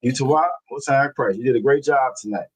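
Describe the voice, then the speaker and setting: A man teaching a religious language class over a video call, reading scripture slowly and often repeating himself. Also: mid-range voice, a little hiss or hum, low-quality recording. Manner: repeats phrases, constant "you know what I'm saying"; slow, deliberate scripture reading.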